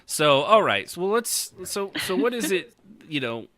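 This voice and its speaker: Animated, rambling man in his late thirties. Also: high voice, normal speed, no echo. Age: late 30s. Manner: rambling, irreverent, teasing. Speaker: podcast host. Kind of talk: casual joking podcast chat.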